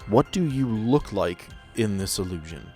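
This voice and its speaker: Low-pitched man running a tabletop game. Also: animated, unhurried, warm tone, soft background music. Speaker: game master. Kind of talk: narrating a tabletop roleplaying game.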